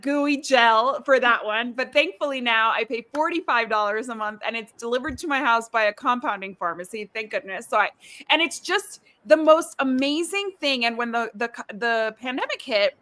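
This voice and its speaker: A middle-aged woman from Ecuador talks in a relaxed, rambling way on a video call, stacking little asides and fillers. Her voice is bright and forceful and sits a little high. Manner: chatty, many fillers and asides. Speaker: podcast host. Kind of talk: casual live-stream chat.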